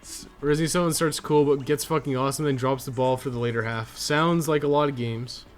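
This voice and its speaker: A man's voice: medium pitch, fairly even intonation, brisk, soft background music. A Canadian man chatting casually and irreverently on a video game live stream, rambling and swearing freely.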